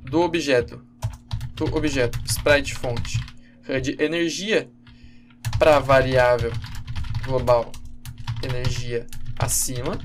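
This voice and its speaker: Man teaching over a faint hum. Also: medium pitch. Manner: casual, halting explanation with many fillers and self-corrections. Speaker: game development instructor. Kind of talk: screen-recorded programming tutorial.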